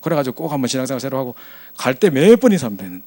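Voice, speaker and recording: A man preaching to young adults as their pastor, telling a story in a chatty, animated way. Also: mid-range voice, very fast.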